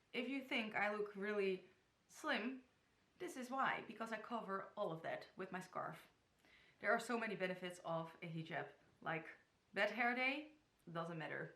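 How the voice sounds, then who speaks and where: Chatty bright-voiced young woman vlogger. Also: mid-range voice, animated, normal speed. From the Netherlands. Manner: chatty, giggly, stumbles over place names. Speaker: hijab tutorial vlogger. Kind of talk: casual tutorial talk to camera. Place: her bedroom. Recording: echoey bedroom.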